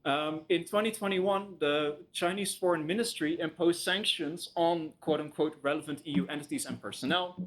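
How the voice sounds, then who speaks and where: A young man giving a conversational guest lecture in a university room, wry and self-deprecating, pausing on frequent "um"s. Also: on the high side, fairly bright tone.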